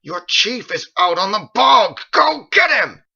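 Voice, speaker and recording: Fierce tribal matriarch, played by a male reader, barking and forceful, audiobook dialogue, dull recording. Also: high voice, sing-song, slow pace, slightly rough, pitched above the performer's own voice, heavily acted. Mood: furious, commanding. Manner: barking, imperious. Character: fierce commanding tribal woman barking orders.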